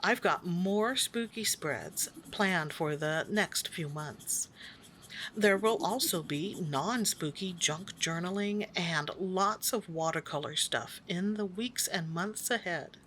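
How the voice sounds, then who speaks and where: A woman's voice: on the low side, slow pace, a bit bright, slight background noise. A woman hosting a craft video, narrating conversationally with a wry, dry sense of humor.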